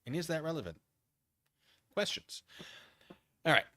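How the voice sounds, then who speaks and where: A man with a bright, forceful voice reads a document aloud and comments on it off the cuff. His delivery swings widely in pitch, moving theatrically between reading and sarcastic muttered asides. The sound is close and dry. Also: expressive, unhurried, dry recording. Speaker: commentary streamer, channel host.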